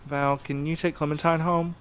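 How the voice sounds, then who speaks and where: A man's voice: fairly high pitch, flat delivery, moderate pace, fairly bright tone, lightly acted. Male actor as sardonic courier, dry sarcasm, casual delivery, audio drama, noise in the background. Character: sardonic young male courier, snarky schemer among friends. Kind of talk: naturalistic audio drama acting.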